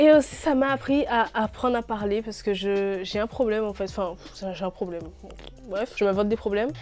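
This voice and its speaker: Fairly quick speech from a woman, medium in pitch and ordinary in pitch variation. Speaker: YouTuber. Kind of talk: casual chat. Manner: fast; animated.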